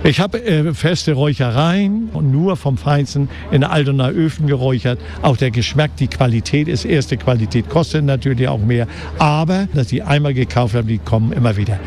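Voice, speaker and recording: Chatty old fish seller. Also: male voice, mid-range voice, brisk, darkish tone. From Hamburg, Germany. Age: 80s. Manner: chatty showman, tag questions like "ne". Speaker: fish market vendor. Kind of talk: casual interview. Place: outdoor fish market.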